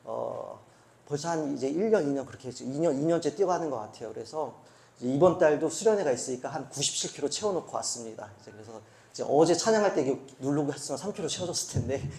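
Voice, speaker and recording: A man's voice: on the high side, expressive, fast talker, creaky, warm tone. A male senior pastor preaching at a church retreat, telling stories and asking the congregation rhetorical questions. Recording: roomy hall echo.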